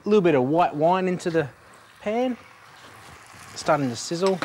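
A man's voice: high-pitched, expressive, moderate pace, a little mellow, slight background noise. A young man, a chef in a studio kitchen, explaining a dish step by step as he cooks. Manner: explains step by step while cooking. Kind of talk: cooking demonstration. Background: frying and sizzling in a pan.

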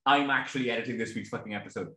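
A man's voice: medium pitch, very fast, pushed and bright. A man co-hosting a podcast, bantering wryly and hamming up the show's intro. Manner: wry banter, mock-grand show intro. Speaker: podcast co-host. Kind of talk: casual chat. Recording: roomy echo.

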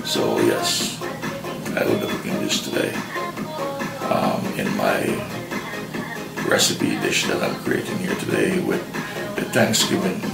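A deep-voiced man talks through a home cooking demo, his voice gravelly and swinging widely in pitch. He repeats himself and keeps answering with a yes. Loud music plays under him. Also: sing-song, slow, poor audio. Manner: repetitive, affirming himself with frequent yeses. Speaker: home cooking channel host. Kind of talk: casual cooking demonstration. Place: home kitchen. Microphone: off-camera, hands only in frame.

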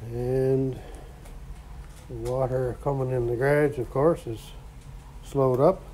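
Man, folksy workshop vlog, dark voice, phone camera, slight background noise. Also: mid-range voice, steady tone, poor audio. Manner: slow, rambling and folksy. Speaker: vlogger. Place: cluttered home workshop garage.

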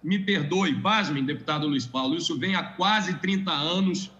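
A man's voice: a little high, moderate pace, fairly bright tone, muffled recording. A man giving an emphatic, formal parliamentary speech as a state legislator in a legislative chamber, repeating points for weight.

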